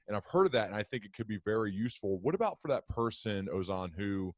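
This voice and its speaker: A man's voice: fairly low pitch, lively intonation, fast talker, no echo. A man in his thirties hosting a podcast, asking long, curious questions with many restarts over a video call. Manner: rambling, curious, frequent restarts. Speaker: podcast host. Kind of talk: interview questions. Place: home office, indoors. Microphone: studio mic, video call.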